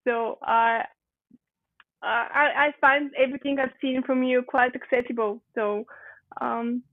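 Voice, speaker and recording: A high-pitched woman asks her guest questions in a halting, searching way. Her first language is Bulgarian, and her voice comes through a tinny, phone-like video call line. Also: steady tone. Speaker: podcast host. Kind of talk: interview questions.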